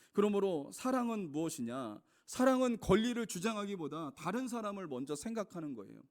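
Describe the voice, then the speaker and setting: A man's voice: high voice, darkish tone. A male pastor delivering a sermon, earnest and emphatic, repeatedly addressing the congregation. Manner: earnest preaching, rising to emphatic peaks, addresses congregation as "여러분".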